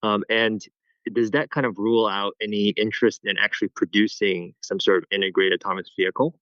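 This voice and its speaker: A man asking an analyst's question on an earnings call, halting and stumbling over his words. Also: fairly low pitch, level tone, fairly bright tone, no room sound. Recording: dull conference-call audio.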